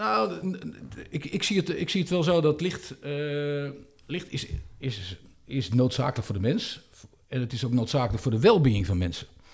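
At a moderate pace, a man talks with vocal fry and very wide pitch swings, leaving long, frequent pauses. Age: 60s. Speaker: lighting specialist. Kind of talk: interview. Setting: at a table in person. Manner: halting, many repetitions.

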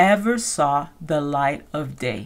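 Speaking with a Caribbean French accent, a woman talks at a very slow pace with lively intonation. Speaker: podcast host, reality TV commentator. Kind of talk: solo podcast monologue.

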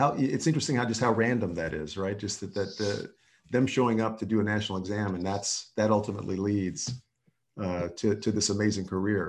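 Against a quiet background, a man with a plain, everyday voice talks fairly quickly at a fairly low pitch with ordinary pitch variation. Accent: American. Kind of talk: interview.

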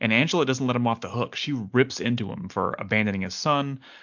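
A man talks with ordinary pitch variation. He has a plain, everyday voice. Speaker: podcast listener. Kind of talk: voicemail feedback. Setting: recorded voicemail.

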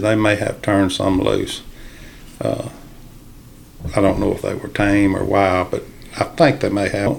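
A man with a Southern US accent talks in a fairly low voice. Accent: Southern US (Georgia). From US South, rural Georgia. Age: 60s. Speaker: local elder telling stories. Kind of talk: casual chat.

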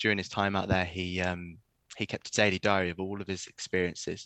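Over a quiet background, a man with a very deep, low pitch and a bright, sharp tone talks at a moderate pace in a flat monotone, the sound dry and close with no echo. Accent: slight East Anglian. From East Anglia, England. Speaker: watch brand founder. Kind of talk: casual chat. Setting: video call.

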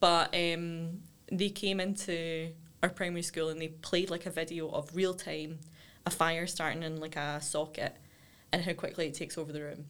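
This woman has a fairly low pitch and a monotone, flat delivery. She talks at a moderate pace. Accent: Scottish. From Scotland, Croy. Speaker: comedian.

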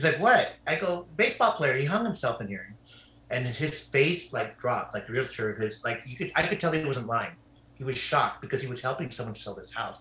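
Loud, fairly quick male voice, fairly high in pitch, bright and sharp in tone, with very wide pitch swings. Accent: American. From Los Angeles area (Carson, California). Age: 50s. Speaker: TV editor. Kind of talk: casual chat. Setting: video call.

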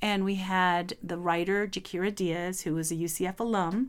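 An ordinary speaking voice, its intonation fairly even. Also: woman, very clean recording, silent background. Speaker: professor. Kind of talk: interview. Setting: live event venue.

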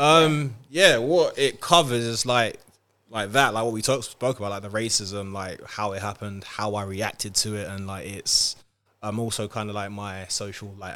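A man with a fairly low pitch talks at a moderate pace with lively intonation and a bright, sharp tone, on a very clean recording with a silent background. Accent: British. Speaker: copywriter, author and rapper. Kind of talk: casual interview chat.

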